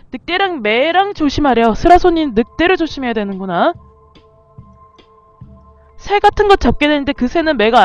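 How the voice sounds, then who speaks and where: A woman's voice: high-pitched, highs cut off. A woman casually commenting on a video game as she plays, chatting to the animals on screen. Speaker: game streamer. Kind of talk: casual let's-play commentary.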